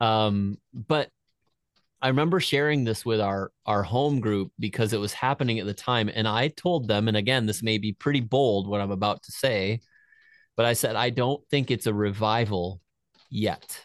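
Against a quiet background, a man with an ordinary speaking voice talks at a moderate pace and medium pitch. His pitch variation is ordinary, and the sound is dry and close with no echo. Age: 40s. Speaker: worship leader and podcast host. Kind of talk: casual interview chat.

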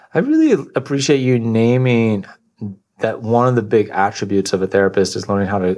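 Speaking fairly quickly with an American accent, a man has a plain, everyday voice at medium pitch with ordinary pitch variation, recorded very cleanly against a silent background. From San Francisco Bay Area, US. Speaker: podcast host, financial therapist. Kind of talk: interview conversation.

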